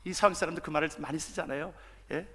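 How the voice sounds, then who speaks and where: Fervent Korean pastor preaching in a reverberant hall. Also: male voice, a little high, fast talker. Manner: fervent preaching, swings from soft asides to loud proclamations. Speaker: senior pastor. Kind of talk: sermon. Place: church sanctuary. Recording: long reverb of a church hall.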